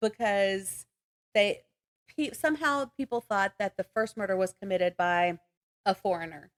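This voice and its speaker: A woman's voice: medium pitch, moderate pace. Giggly woman chatting casually. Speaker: podcast co-host. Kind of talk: casual book chat.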